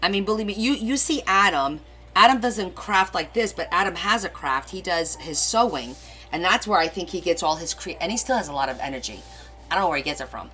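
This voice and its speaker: A woman's voice: fairly low pitch, lively intonation, fairly quick, sharp tone, faint music behind. A middle-aged woman whose first language is Portuguese, chatting casually and rambling as she hosts a live crafting stream and answers viewer comments. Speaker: crafting livestream host.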